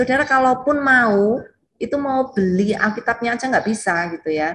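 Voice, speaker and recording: The speaker talks at a moderate pace with lively intonation, in a Javanese accent. Light background noise is present. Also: woman. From Central Java, Indonesia. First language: Javanese (speaking Indonesian). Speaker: Bible study trainer; Bible study teacher. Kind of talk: training lecture. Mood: warm, explanatory. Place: home room.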